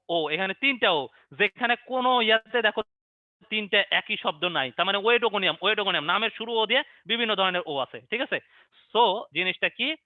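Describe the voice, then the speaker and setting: A young man runs a biology lesson online, firing quick questions and repeating the answers as memory drills. The sound is dry and close, squeezed into a narrow phone-like band. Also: sits high, no echo. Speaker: biology teacher. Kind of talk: online class lecture.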